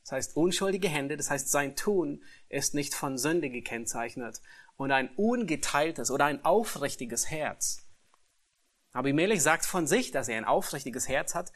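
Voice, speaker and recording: A man preaching a sermon and reading scripture, stressing key phrases slowly and repeating words as he searches for them. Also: a little high, expressive, fairly bright tone. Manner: emphatic, slows and rises on key phrases. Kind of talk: expository sermon.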